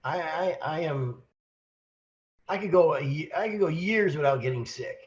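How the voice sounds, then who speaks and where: A man co-hosting a casual podcast, hoarse from a cold, telling a rambling, animated story with many restarts. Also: a little high, normal speed, highs cut off, slight background noise. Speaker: podcast co-host, sales manager.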